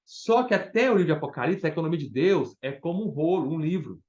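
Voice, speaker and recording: Emphatic Brazilian preacher, lo-fi sound. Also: male voice, on the high side, expressive, fast talker, darkish tone. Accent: Brazilian Portuguese. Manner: emphatic, asks the listeners questions, often says "tá?" and "ó". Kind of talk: Bible study sermon.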